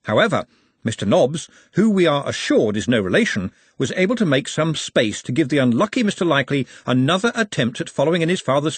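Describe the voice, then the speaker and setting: Man playing a florid newspaper sports reporter, animated. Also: on the high side, husky, no echo, pitched above the performer's own voice.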